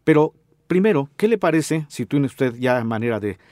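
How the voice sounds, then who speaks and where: A middle-aged man with a Mexican accent hosting a health talk show as a doctor, explaining calmly and asking the listener questions. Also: mid-range voice, normal speed, dry recording, studio quality. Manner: didactic, addresses listener directly with questions. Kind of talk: informative radio talk.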